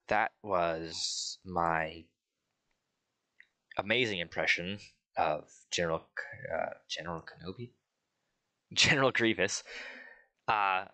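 Deep-voiced, bright-toned casual man. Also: dry recording. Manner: rambling, with restarts and fillers, reads out settings. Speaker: tutorial creator. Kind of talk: casual spoken tutorial.

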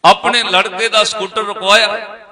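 High-voiced, bright male preacher. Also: little pitch movement, normal speed. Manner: dramatic storytelling, swings between loud and hushed. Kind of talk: religious sermon storytelling.

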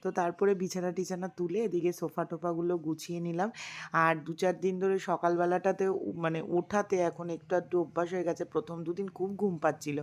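A woman in her thirties chatting casually to viewers as she goes about her day at home and cooks. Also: fairly low pitch. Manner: chatty, talks straight to viewers in a homely way. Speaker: vlogger and mother. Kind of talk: casual daily-life vlog narration. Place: home kitchen and rooms, indoors.

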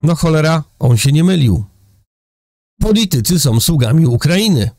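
Middle-aged vlogger, indignant and sarcastic commentary, slightly high voice, dry room. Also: male voice, sing-song, normal speed, darkish tone, dry recording. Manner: indignant, sarcastic, addresses viewers directly. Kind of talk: opinionated news commentary. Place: indoor room with a large window over a city.

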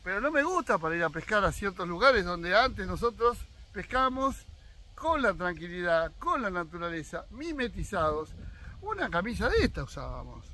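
A man's voice: sits high, sing-song, moderate pace, pushed and bright. A man in his sixties with an Argentine accent, giving his opinions straight to viewers in a casual fishing vlog, speaking outdoors on his land. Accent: Argentine Spanish. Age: 60s. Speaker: fishing vlogger.

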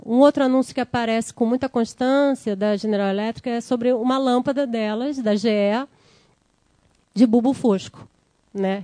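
A woman's voice: medium pitch, mellow, dry recording. A woman giving an academic lecture, explaining slides and checking in with the audience. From Brazil. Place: lecture room.

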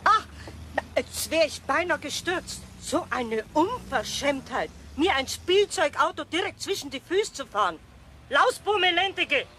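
A woman's voice: high voice, sing-song, a little slow, bright, forceful tone, exaggerated voice. A woman playing an indignant, grumpy older lady, scolding huffily in a children's audio drama. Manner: scolding, huffy. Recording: faint noise on old cassette.

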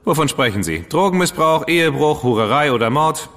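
An actor playing an ironic, theatrical dandy in a radio drama. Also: male voice, a little high, lively intonation, a little fast, fairly bright tone. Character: witty, theatrical male dandy, ironic and fastidious. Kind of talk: German radio drama acting. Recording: long reverb with music behind.

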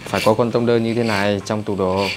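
A man with a Northern Vietnamese accent giving a brisk, chatty hands-on haircut tutorial in a barbershop. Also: fairly low pitch, little pitch movement, noisy background. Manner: brisk, chatty, addresses viewers as brothers. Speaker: barber instructor. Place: barbershop indoors.

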